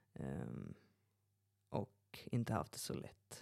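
Vocal fry runs through this man's dark, mellow tone. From Sweden, Gamleby near Västervik. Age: 30s. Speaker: podcast guest sharing life story. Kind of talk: personal testimony in casual conversation.

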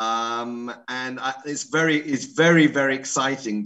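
The pace is very slow. The speaker has a London accent. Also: man. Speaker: drama therapist and therapeutic clown. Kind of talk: casual chat. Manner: halting.

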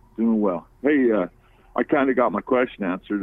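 With an American accent, a man uses a normal speaking voice at a fairly low pitch, moderate pace and ordinary pitch variation. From US Mountain West. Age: 40s. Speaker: caller, amateur poker player. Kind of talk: phone-in chat. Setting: phone call.

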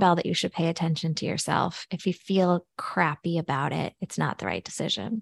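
Against a quiet background, a woman with a normal speaking voice talks fairly quickly in a fairly low pitch. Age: 40s. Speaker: finance professional and podcast host, solo parent. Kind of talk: interview conversation.

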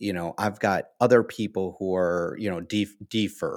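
The recording is very clean, with a silent background. A man with a Puerto Rican accent speaks at a moderate pace in a very deep, low pitch with monotone, flat intonation. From Puerto Rico. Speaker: cybersecurity veteran. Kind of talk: interview.

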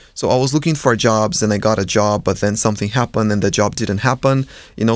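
At a fairly quick pace, a man with a Portuguese accent speaks at a medium pitch with ordinary pitch variation, on a very clean recording with a silent background. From Brazil, greater São Paulo. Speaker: English teacher and former actor. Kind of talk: interview.

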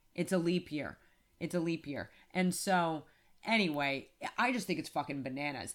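On a very clean recording with a silent background, a woman speaks at a fairly low pitch with ordinary variation. Her pace is moderate, broken by long, frequent pauses. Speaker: podcast co-host. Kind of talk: casual chat. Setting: home recording in London apartment. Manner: rambling, talkative.

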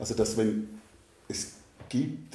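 Fairly slow speech from a man at a fairly low pitch, with audible room echo. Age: 40s. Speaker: parenting counsellor for fathers. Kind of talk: interview. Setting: on location at an association office.

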